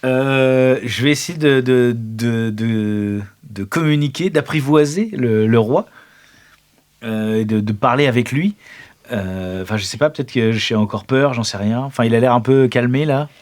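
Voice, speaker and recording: Halting man, casual game player. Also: medium pitch. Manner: halting, thinking aloud, repeats words. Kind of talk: casual improvised game chat. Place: recording studio.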